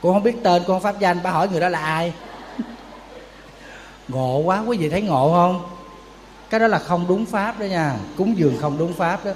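A monk preaches in a high, light voice. He tells his stories in a chatty way and keeps asking the audience rhetorical questions. The sound carries a long hall echo over a faint hiss. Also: expressive, measured pace, pauses often. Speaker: Buddhist monk teacher. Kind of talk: sermon.

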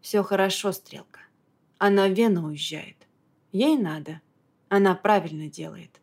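A woman voicing a grieving young man in an audiobook, low, hoarse and flat with weariness. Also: measured pace. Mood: weary. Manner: flat, tired, subdued. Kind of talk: audiobook character voice.

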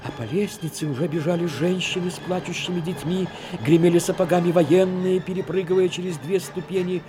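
A man narrating a Soviet war radio drama in a dramatic, measured literary storytelling manner. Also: high voice, fairly even intonation.

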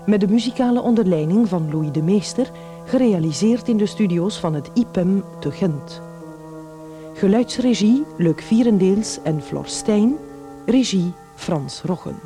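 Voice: medium pitch, expressive, measured pace, warm tone. An announcer reading scripted credits for a broadcast radio play. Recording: music behind the voice.

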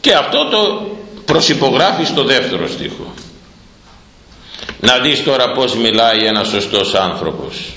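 A man's voice: mid-range voice, big pitch swings. Impassioned male preacher in a roomy hall. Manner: impassioned, rhetorical questions, rising to shouts. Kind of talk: sermon on Proverbs.

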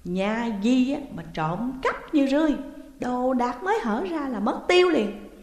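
A woman voicing a shrill, domineering middle-aged woman who screeches accusations, with a roomy echo and long reverb. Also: big pitch swings, normal speed, natural voice. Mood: shrill scolding.

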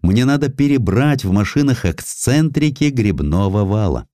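A male narrator plays a composed naval lieutenant in an audiobook. He is courteous but firm and formal, with wide, expressive intonation and a dry close sound. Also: mid-range voice, normal speed, no room sound, pitched above the performer's own voice, natural voice. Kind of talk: audiobook character acting.

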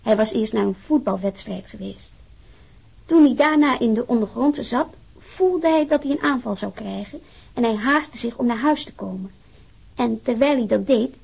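A woman's voice: a little high, vocal fry, a little mellow, slightly rough, full character voice. An actress playing a worried, earnest wife who reads out a complaint letter on her husband's behalf. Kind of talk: dramatized reading of a complaint letter.

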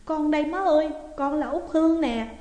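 A woman's voice: a little high, lively intonation, normal speed, darkish tone, natural voice. A woman with a Southern Vietnamese accent voicing an eager, emotional young daughter in a storybook reading. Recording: echoey room with long reverb.

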